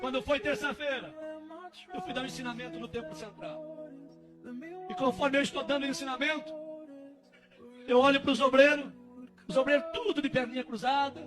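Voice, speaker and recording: A male pastor, preaching a testimony sermon with fervor that rises to shouts. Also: extremely high pitch, steady tone, fairly quick, pauses often. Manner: fervent preaching, rising to shouts. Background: music.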